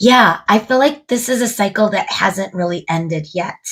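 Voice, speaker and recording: Somewhat breathy woman's voice at a very slow pace, medium pitch and ordinary pitch variation. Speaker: tarot reader. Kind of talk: tarot card reading. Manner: casual, hesitant with fillers.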